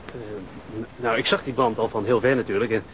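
A man plays an evasive, flustered policeman in a radio drama. He stammers and repeats himself in hurried bursts. A clear rumble runs behind the voice. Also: fairly even intonation, a bit bright, lightly acted, poor audio. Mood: nervous, evasive. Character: flustered, evasive, cowed male policeman-caretaker.

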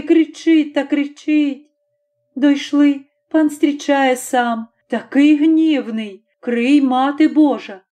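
A woman reading a classic short story aloud in an unhurried, mournful storytelling manner. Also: high voice, mellow. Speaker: audiobook reader. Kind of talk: scripted narration of a classic story.

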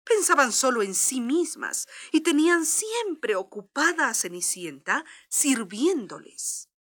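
A woman's voice: high-pitched, big pitch swings, slow, a bit bright. A woman narrating a scripted children's story as a storyteller.

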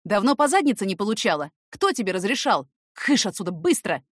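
A woman's voice: mid-range voice, animated, moderate pace, natural voice. An irritable young male student in an audiobook, acted by a woman. He is cool and guarded, answering curtly, with a dry, echo-free sound. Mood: annoyed, bossy. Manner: curt, cool. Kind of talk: scripted audiobook character voice.

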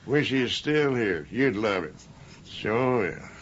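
Male interviewee, casual recollection. Extremely unhurried, mid-range voice, dull noisy recording. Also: expressive. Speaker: interviewee recalling war service. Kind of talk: casual reminiscence. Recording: muffled recording with loud rumbling noise.

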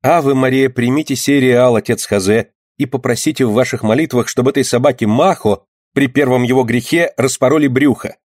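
A man voicing a sharp-tongued, pious young townswoman who scolds and accuses in a shrill way. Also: brisk, few pauses, no room sound, studio quality, lightly acted. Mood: coaxing.

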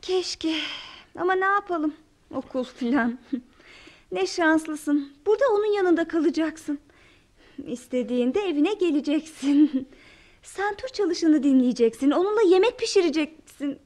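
A woman's voice: sits high, expressive, a little slow, darkish tone. A woman acting an eager, wistful young girl in an old-style radio theatre play. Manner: wistful, childlike.

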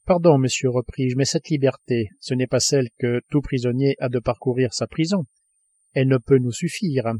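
A man's voice: medium pitch, moderate pace, warm tone, no room sound, clean studio sound, lightly acted. A man reading an earnest captive scientist. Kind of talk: audiobook reading.

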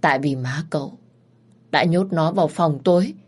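A woman's voice: sits low, animated, normal speed, darkish tone. A woman voicing a bitter, accusing old servant woman. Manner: accusing, resentful.

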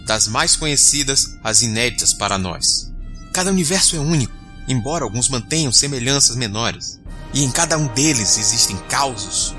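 Give me a man playing a space explorer opening the show in a sweeping, declamatory narration. His voice sits mid-range, with clear music running beneath him. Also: mid-range voice, natural voice. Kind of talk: scripted narration intro.

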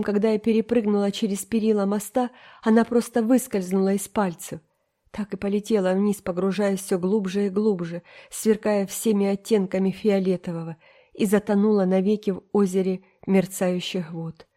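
A woman's voice: mid-range voice, warm tone, close to an everyday voice. A woman voicing a dreamy, dramatic orphan girl in an audiobook, talking in a theatrical, emotional way. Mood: wistful. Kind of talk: audiobook character reading.

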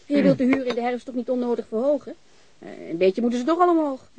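An actress playing a blunt, warm-hearted, talkative landlady in a naturalistic radio drama, informal and frank. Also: fairly high pitch, lively intonation, quick pace, slight background noise. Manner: informal, chatty, frank, mild swearing.

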